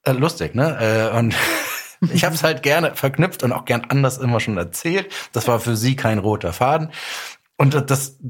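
A man's voice: medium pitch, expressive, normal speed. A man chatting casually and anecdotally as the guest author in an interview. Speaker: guest author of audio dramas and a novel. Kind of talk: casual podcast interview chat.

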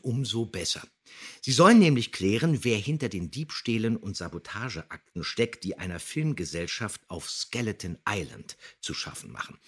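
A man's voice: lowish voice, breathy edge. A man co-hosting a podcast, chatting casually and reading out with expression. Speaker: podcast co-host.

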